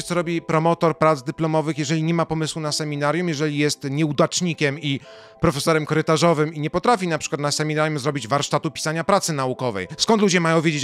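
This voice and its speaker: A man delivers a sarcastic, mocking rant in a fairly high voice. He jumps from loud outbursts down to low, dry asides. Soft music plays faintly beneath him. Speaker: video commentator. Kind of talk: ranting commentary monologue.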